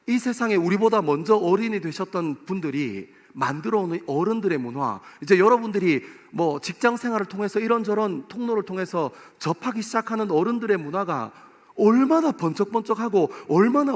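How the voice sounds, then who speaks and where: Animated high-voiced man preaching, hall reverb. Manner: lively, playful, acts out little scenes. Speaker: pastor. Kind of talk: sermon. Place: church sanctuary.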